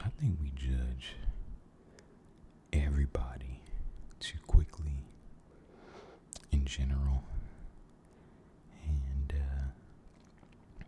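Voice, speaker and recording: A man giving a soft-spoken, mostly whispered ASMR ramble, halting and gentle, repeating his phrases, close to the microphone. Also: rumbling low, a little hiss or hum. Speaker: ASMR video creator.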